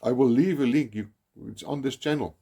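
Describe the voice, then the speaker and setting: A man with a South African accent, whose first language is Afrikaans, gives a grave, measured documentary narration with emphatic stresses. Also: medium pitch, gravelly, mellow, breathy edge. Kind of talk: solemn scripted narration.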